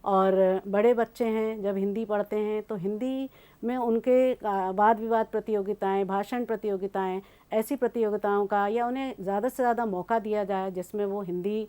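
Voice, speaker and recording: A woman teacher answering on a discussion show, calm and explanatory, pausing often. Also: medium pitch, clear, resonant tone. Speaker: teacher, studio guest.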